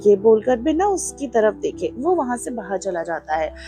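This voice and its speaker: A woman narrating a scripted romance story in a steady storytelling manner, with faint music behind. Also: on the high side, normal speed.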